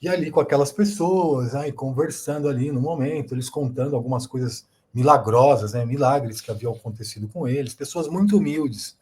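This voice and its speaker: A man's voice: medium pitch, brisk, hardly any pauses, dark tone, breathy edge. A Brazilian Portuguese-speaking man, a guest, telling a personal testimony in a rambling way with many fillers and repeated words.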